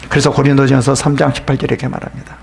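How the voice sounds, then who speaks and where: A man's voice: mid-range voice, level tone, racing, vocal fry, darkish tone, slightly rough. A male pastor preaching a sermon, asking the congregation questions and answering them himself, often dropping to a whisper.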